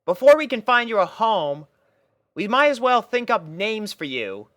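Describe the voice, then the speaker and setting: A storyteller voicing a brash, caring, excitable cartoon pegasus pony mare with emphatic, drawn-out announcements. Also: medium pitch, no room sound, studio quality, voice pushed up. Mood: proud, announcing.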